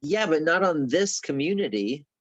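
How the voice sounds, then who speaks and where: A man's voice: on the high side, sing-song, normal speed, no room sound, muffled recording. A man playing an evasive, defensive young grad student with a hesitant way of talking in a dramatic table read. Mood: nervous, evasive.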